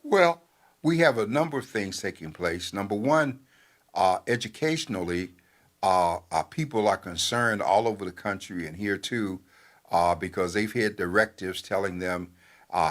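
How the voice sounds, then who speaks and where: An older man with a fairly low voice, talking as a newspaper editor on a talk program. He speaks in a measured, halting way and fills his pauses with many uhs and ums. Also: fairly bright tone. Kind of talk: radio talk commentary.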